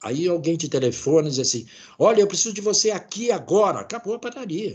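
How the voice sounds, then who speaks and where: This man's pitch swings very widely as he talks. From Brazil, Santos (São Paulo coast). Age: 70s. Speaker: voice actor. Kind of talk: podcast interview. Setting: remote call.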